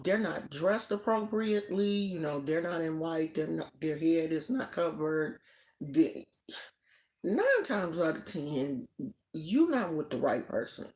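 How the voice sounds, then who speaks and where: A woman's voice: fairly low pitch, a little mellow. An American woman teaching casually to a live audience, chatty and repeating herself for emphasis. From United States. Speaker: teacher of a religious tradition.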